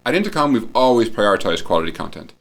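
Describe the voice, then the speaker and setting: A man presenting a prepared talk as a conference speaker, explaining points clearly with emphasis and rhetorical questions. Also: lowish voice, very animated, fast talker. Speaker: conference speaker, company employee.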